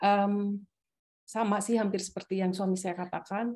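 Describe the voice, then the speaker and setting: Speaking at a moderate pace over a quiet background, a woman has a dark, mellow tone and a flat, monotone delivery. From West Java, Indonesia. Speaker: interviewee, Indonesian wife in mixed marriage; interviewee. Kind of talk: casual interview. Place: home room. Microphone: video call.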